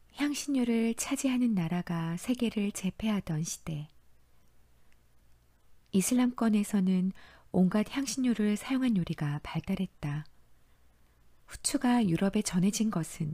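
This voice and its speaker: On a very clean recording with a silent background, a woman with a medium-pitched, dark, mellow and somewhat breathy voice speaks very slowly in a calm, soothing tone with lively intonation and long, frequent pauses. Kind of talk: audiobook reading.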